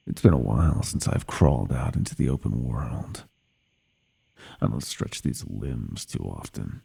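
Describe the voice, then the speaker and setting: A man voicing an ancient, sadistic monster under the bed in a horror ASMR roleplay, gravelly and often whispering, with a slow, taunting, teasing manner. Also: very deep voice, dark tone, full character voice. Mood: playful, gloating. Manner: slow, taunting, teasing, savoring each word. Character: centuries-old monster under the bed, sadistic, playful, menacing.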